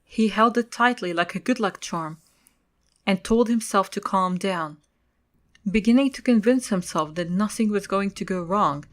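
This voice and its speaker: A woman's voice: medium pitch, moderate pace. A woman giving scripted narration for a dramatic audio story.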